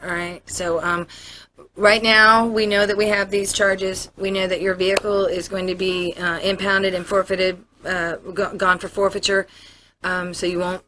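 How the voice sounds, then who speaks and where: A woman's voice: mid-range voice, level tone, normal speed, pushed and bright. An American woman, a police officer, explaining procedure to a suspect in a matter-of-fact interview manner. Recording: noisy interview room audio.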